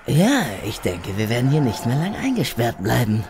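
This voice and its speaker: A woman's voice: rumbling low, very animated, moderate pace, darkish tone, slight background noise, full character voice. A woman playing a sadistic mad surgeon in disguise, taunting and gloating in a horror radio play. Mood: calm, sly. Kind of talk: German horror audio drama acting.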